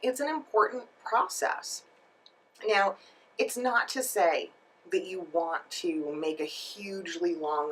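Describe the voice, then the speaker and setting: Low-voiced woman coaching, slightly off-mic. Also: a bit bright, distant mic, a little hiss or hum, low-quality recording. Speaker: voice-over coach and host. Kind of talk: instructional video talk to camera.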